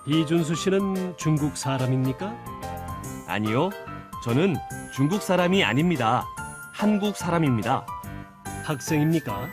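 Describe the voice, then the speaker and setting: A man reading short lines of a textbook dialogue in a plain, even way. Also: on the high side, unhurried, over music, voice pushed down.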